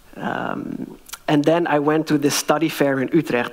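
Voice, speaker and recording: A fairly high-pitched man's voice against noticeable background noise. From Netherlands, Zaandam. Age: 20s. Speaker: business developer, alumnus speaker. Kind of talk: presentation to prospective students. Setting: open day talk with audience, streamed online.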